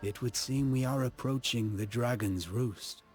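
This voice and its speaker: An actor playing an earnest, driven, brooding mage in a fantasy game, speaking seriously and formally. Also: male voice, mid-range voice, unhurried, darkish tone, soft background music, close to an everyday voice. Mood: serious, focused.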